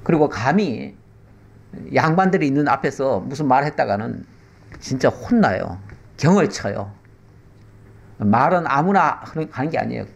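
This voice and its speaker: A middle-aged male pastor teaching the Bible in a conversational way, explaining with rhetorical questions and slow pauses. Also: medium pitch, expressive, creaky, dull audio.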